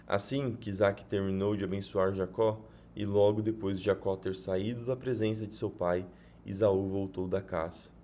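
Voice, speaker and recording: A man with a Brazilian Portuguese accent reading Bible passages aloud in a measured way, now and then correcting a word. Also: fairly low pitch, steady tone, dark tone, a little hiss or hum. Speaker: Bible reader.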